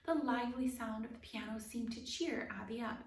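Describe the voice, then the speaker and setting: A woman's voice: fairly high pitch, brisk. A woman narrating a children's picture book expressively as a storytime reader. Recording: roomy echo, distant mic, faint noise.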